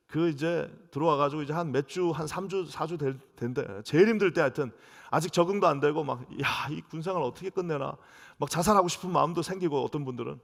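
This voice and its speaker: A middle-aged man from South Korea, a pastor preaching a sermon, drifting from hushed storytelling to loud, fervent outbursts. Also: a little high, vocal fry. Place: church sanctuary. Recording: long reverb of a church hall.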